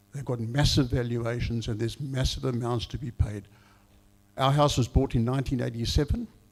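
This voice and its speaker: A man speaks at medium pitch at a fairly quick pace. His delivery is monotone, flat and somewhat breathy. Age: 70s. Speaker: resident at public meeting. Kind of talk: public meeting comment.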